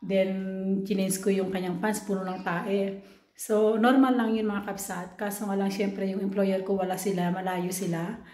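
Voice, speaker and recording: A woman's voice: mid-range voice, steady tone, normal speed, a little mellow, reverberant. Chatty Filipino woman vlogging at home. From Philippines. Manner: chatty, addresses viewers as friends. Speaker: vlogger and nanny. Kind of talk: casual vlog chat. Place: house and garden, indoors and out. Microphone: handheld compact camera.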